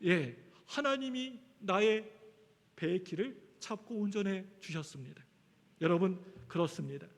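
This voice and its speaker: A man preaching in a church, his voice high for a man and gravelly at the edges. He speaks earnestly and presses into emphatic appeals. The long reverb of the sanctuary trails after each phrase. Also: expressive, a little slow. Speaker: pastor. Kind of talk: sermon. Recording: echoey church hall.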